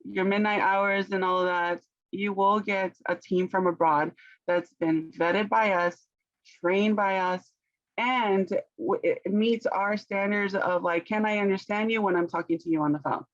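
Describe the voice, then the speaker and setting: A woman's voice: mid-range voice, steady tone, a little slow, no echo, lo-fi sound. Non-native woman, thoughtful business guest. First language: not English. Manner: thoughtful, searches for words, laughs often. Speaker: company founder, guest. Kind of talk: conversational business interview.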